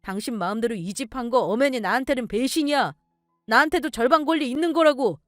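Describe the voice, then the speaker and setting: A woman's voice: sits high, fast, dry recording, clean studio sound, soft background music, pitched above the performer's own voice, natural voice. A woman voicing an indignant, blustering husband in a told story. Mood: outraged. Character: blustering entitled husband, angry man.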